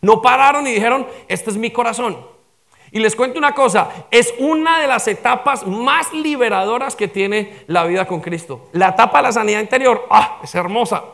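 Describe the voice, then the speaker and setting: A pastor preaching a sermon, firing rhetorical questions at the congregation and calling for amens. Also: male voice, extremely high pitch, normal speed, vocal fry, fairly bright tone.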